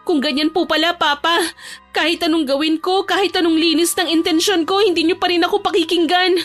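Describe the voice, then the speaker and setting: A woman voicing a quiet young daughter who pleads respectfully with her angry father, over faint music. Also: very high voice, steady tone, brisk, pitched above the performer's own voice. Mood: pleading.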